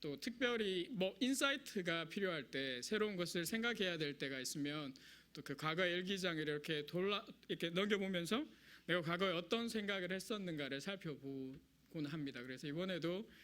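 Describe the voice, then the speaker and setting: A man speaks at a high pitch in a bright, sharp tone with lively intonation. His voice sounds shaky and nervous, at a moderate pace. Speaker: junior pastor. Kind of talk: sermon. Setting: church with congregation. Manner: nervous, shaky delivery; halting, many fillers.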